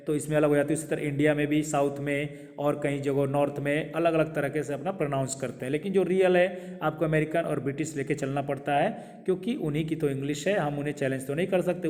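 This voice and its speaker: A man with a fairly high voice gives an English pronunciation lesson, saying each word slowly and asking his viewers to repeat it. His voice carries a long echo, as if recorded in a large hall. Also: a little mellow. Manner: repeats words slowly, asks viewers questions. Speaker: English teacher.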